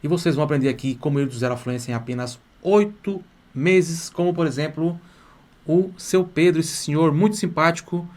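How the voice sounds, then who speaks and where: A man's voice: on the high side, fairly quick, a little mellow. A man from Brazil with a Brazilian accent, hosting a live online language class in an enthusiastic, coaxing way and checking in with his audience often. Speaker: language teacher and course host.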